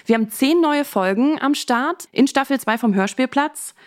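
A woman's voice: sits high, normal speed. A woman hosting a podcast in a casual, conversational style. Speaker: host.

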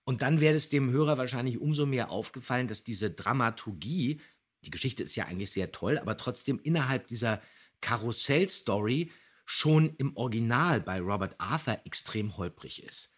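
A man's voice: medium pitch, lively intonation, moderate pace, husky. A man co-hosting a podcast, thoughtfully explaining his views on audio dramas in casual talk. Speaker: podcast co-host.

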